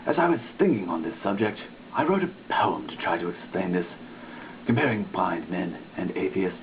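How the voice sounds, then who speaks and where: Deep-voiced man giving a dramatic reading. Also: expressive, moderate pace. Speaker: reader of a written text. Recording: tinny lo-fi recording with faint hiss.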